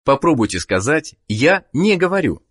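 Male instructor narrator, husky tone, animated pitch, measured scripted prompts. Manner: measured, prompting the listener to repeat. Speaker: language course narrator.

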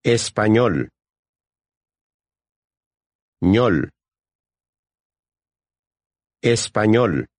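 A man serving as the model speaker in a language course, pronouncing each phrase slowly and carefully. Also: lowish voice, expressive, dry recording, clean studio sound. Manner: slow, careful model pronunciation with repetitions.

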